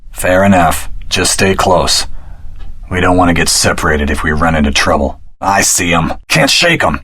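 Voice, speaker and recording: Low, husky, earnest video game hero. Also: male voice, fairly bright tone, exaggerated voice. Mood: focused, businesslike, then urgent. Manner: earnest, heroic, dramatic delivery. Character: earnest, determined young male hero fighting a tyrant.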